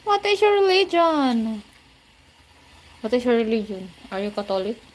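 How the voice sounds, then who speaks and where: A woman's voice: fairly high pitch, very animated, moderate pace. A woman from the Philippines with a Filipino accent, chatting casually on her livestream and reading viewers' comments aloud. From Bicol, Philippines. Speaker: livestream vlogger.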